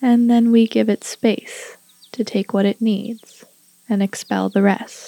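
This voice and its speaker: The tone is soothing and calm. Delivery is very slow. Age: 20s. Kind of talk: guided meditation. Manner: soft, slow and soothing; calm, gentle, paced with pauses and counted breaths.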